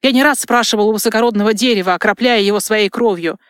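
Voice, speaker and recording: Picture a woman reading as a young male fire mage and marquis, all clipped accusation and hard emphasis as he confronts an old friend. The sound is dry and close, with nothing of a room around the voice. She keeps near her own pitch. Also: fast, a bit bright, clean tone, no room sound, close to an everyday voice. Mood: coldly insistent. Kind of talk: audiobook character reading.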